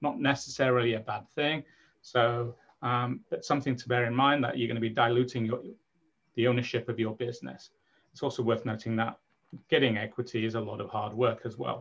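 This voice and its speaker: A somewhat breathy man at a fairly quick pace, with monotone, flat intonation. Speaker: startup investment advisor; panelist. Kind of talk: workshop presentation. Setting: video call. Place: home room. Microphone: webcam.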